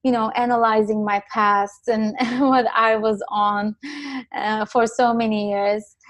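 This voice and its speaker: Hesitant woman, higher voice. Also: level tone, unhurried, dry recording. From Turkey. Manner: hesitant, many ums and restarts. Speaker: guest. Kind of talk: casual interview talk.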